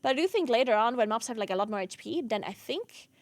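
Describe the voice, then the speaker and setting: Woman, game streamer, fairly high voice, relaxed chatty delivery, lots of fillers. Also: fast talker. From South Tyrol, Italy. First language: German. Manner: chatty, answers chat, frequent "like" fillers. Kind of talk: casual chat while gaming.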